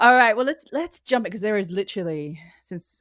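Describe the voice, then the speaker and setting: A woman with a British accent and lively intonation, dry and close with no echo, on a very clean recording with a silent background. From Britain. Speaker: podcast host. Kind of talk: podcast interview.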